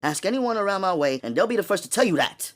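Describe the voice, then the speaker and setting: A man voicing a tough, streetwise young New woman who talks brashly and fast. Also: sits high, sing-song, pitched above the performer's own voice. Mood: frantic. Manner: brash, rapid-fire, indignant. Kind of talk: audiobook character voice.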